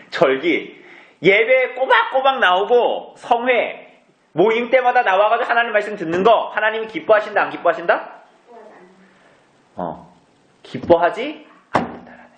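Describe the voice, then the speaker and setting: A man's voice: sits high, fairly bright tone. A male pastor preaching an evening sermon, asking the congregation questions and answering them himself. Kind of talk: evening service sermon, Bible exposition. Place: church sanctuary. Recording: roomy church echo.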